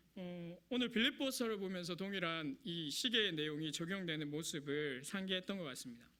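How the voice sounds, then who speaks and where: A man with a high, bright and sharp voice sounds shaky and nervous as he talks at a moderate pace with lively intonation, the room echoing audibly around him. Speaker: junior pastor. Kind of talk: sermon. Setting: church with congregation. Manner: nervous, shaky delivery; halting, many fillers.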